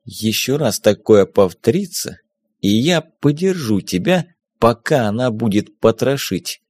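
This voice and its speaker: A man voicing a tough former army officer in an audiobook, curt and quietly threatening. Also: medium pitch, lively intonation, unhurried, no room sound.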